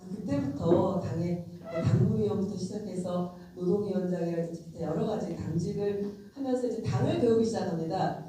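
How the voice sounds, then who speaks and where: A woman's voice: mid-range voice, a little fast, mellow, slight background noise. Woman with a cold in an echoey hall. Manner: frank, emphatic, addresses audience directly. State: has a cold. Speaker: lawmaker giving a lecture. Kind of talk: conversational political lecture. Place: convention center lecture hall. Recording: very echoey hall, distant mic.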